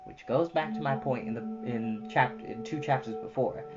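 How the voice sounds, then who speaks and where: A woman's voice: a bass voice, moderate pace, lo-fi sound, music in the background. A woman reading a children's book aloud as storyteller, with dramatic emphasis and informal, chatty asides.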